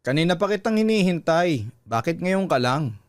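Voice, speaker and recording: A man's voice: on the high side, big pitch swings, moderate pace, no echo, pitched above the performer's own voice. A man with a Filipino accent voicing a jealous, sarcastic wife who questions her husband pointedly in a radio drama. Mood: accusing. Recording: music bed behind close dry voice.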